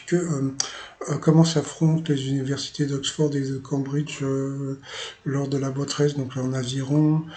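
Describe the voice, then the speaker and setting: Chatty Parisian man, mellow tone. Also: mid-range voice, a little hiss or hum. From Paris, France. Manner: chatty and rambling, full of filler words, amused asides. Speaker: channel host recapping a TV quiz show. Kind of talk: casual spoken recap commentary.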